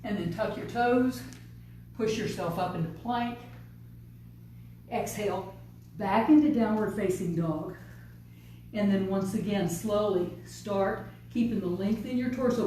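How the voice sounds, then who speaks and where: A woman teaching a yoga class, giving calm, unhurried step-by-step cues. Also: medium pitch, a little hiss or hum. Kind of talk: guided yoga class instruction. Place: yoga studio. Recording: distant, very echoey studio room.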